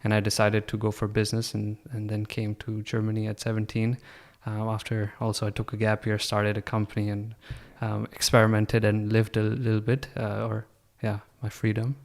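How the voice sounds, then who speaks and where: A man in his twenties from Pakistan, a podcast guest telling his story in a relaxed, reflective way. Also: fairly low pitch, normal speed, gravelly, hardly any pauses. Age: 20s. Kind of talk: casual interview chat.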